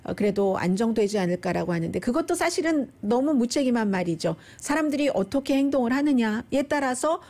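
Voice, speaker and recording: Chatty woman presenting the news, mellow voice. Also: a little high, expressive, fairly quick, hardly any pauses. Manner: chatty, explains at length, addresses listeners directly. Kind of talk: conversational news commentary.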